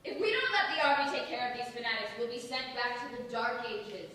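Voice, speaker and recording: A woman's voice: fairly high pitch, expressive, brisk, bright, forceful tone, far from the mic. A woman in a staged reading playing a hard-line secularist, pointed, insistent and accusatory in a dramatic delivery. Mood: insistent, alarmed. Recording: echoing hall from afar, faint noise.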